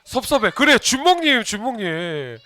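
A man's voice: extremely high pitch, very animated, moderate pace, bright, forceful tone. A man, a junior pastor, giving a playful children's sermon and asking the kids questions as he goes. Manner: playful, asks the children questions and jokes with them.

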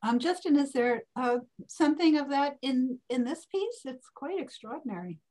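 Higher-voiced woman moderating a panel. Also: lively intonation, normal speed, mellow. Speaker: panel host, curator. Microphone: video call.

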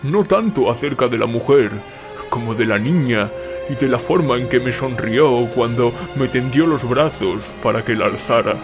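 A man's voice: mid-range voice, normal speed, natural voice. A man playing an older narrator haunted by memory, telling a horror story dramatically in the first person. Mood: somber remembering. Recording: music behind the voice.

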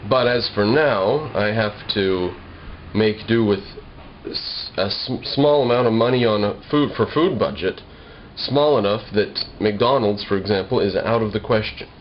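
Young adult man, American accent, low-pitched, wry casual explanation, slightly formal wording, dull noisy home recording. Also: unhurried. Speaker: video blogger. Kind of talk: casual explanatory talk to camera. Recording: dull lo-fi home video with noise.

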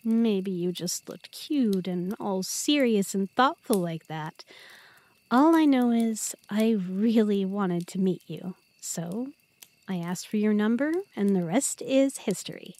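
A woman's voice: mid-range voice, animated, takes it slowly, mellow. A woman playing an affectionate, earnest young girlfriend in an intimate, chatty roleplay audio drama. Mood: tender. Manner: tender, chatty, playful.

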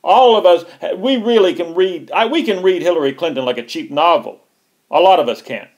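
A man's voice: high voice, lively intonation, brisk. A man hosting a political commentary video, talking in an emphatic, repetitive and heated way.

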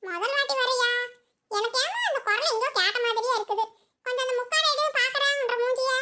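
Shrill nosy old Tamil mother-in-law. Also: brisk, bright, forceful tone. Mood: prying. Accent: Kongu Tamil. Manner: tamil mother-in-law manner: grumbling, prying, bossy. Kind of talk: cartoon comedy dialogue.

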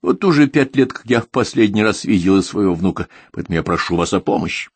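A man voicing a stern, stubborn old émigré woman who speaks with a French accent and a creaky voice. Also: on the low side, expressive, fast, no room sound. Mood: insistent. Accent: French accent in Russian.

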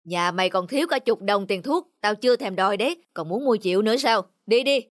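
A woman voicing a gruff, stingy male medicine seller in a cartoon, speaking harshly and scornfully, with music playing underneath. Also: medium pitch, lively intonation, fairly quick, no echo, studio quality, voice pushed down, close to an everyday voice. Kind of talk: cartoon voice acting.

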